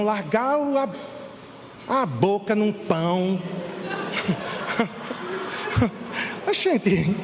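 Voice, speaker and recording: A man's voice: high-pitched, long reverb tail, background noise. A middle-aged Brazilian man preaching a fervent sermon to his congregation as pastor. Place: church hall.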